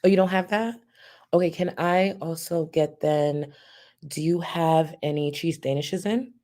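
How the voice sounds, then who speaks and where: A woman doing a softened, dainty voice as she pretends to order food at a drive-thru speaker. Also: sits low, unhurried. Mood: sweetly polite.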